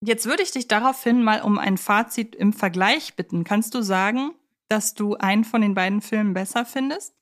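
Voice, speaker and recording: A woman's voice: medium pitch, normal speed. A woman co-hosting a film analysis podcast, talking conversationally in a reflective, articulate way. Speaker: podcast co-host.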